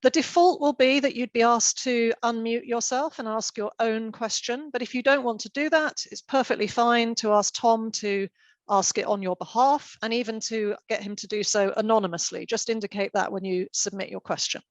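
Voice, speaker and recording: A woman's voice: on the high side, normal speed, dry recording. A woman chairing an online panel event, giving formal, orderly introductions over a video call.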